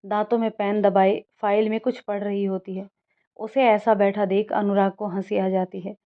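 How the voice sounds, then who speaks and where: Woman reading a bedtime-style story, steady and gentle, muffled lo-fi mic. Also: mid-range voice, moderate pace. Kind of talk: scripted story narration. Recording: dull lo-fi recording.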